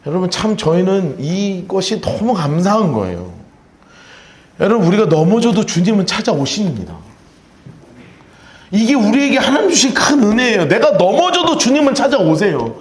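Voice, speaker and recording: A male pastor preaching in an echoey church sanctuary. His voice sits high and swings widely in pitch as he acts out Bible scenes and has the congregation repeat after him. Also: normal speed. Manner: animated preaching, acting out Bible dialogue and leading call-and-response. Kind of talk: sermon.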